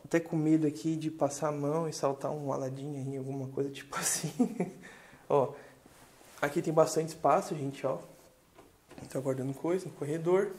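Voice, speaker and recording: A man's voice: fairly high pitch, a little mellow. A man, a real estate agent giving a chatty, enthusiastic house tour, speaking to the viewers from inside the home. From southern Brazil. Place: large furnished house, indoors.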